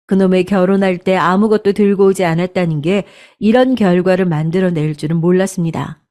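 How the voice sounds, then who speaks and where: A woman's voice: fairly low pitch, a little fast, warm tone. Woman narrating a first-person story.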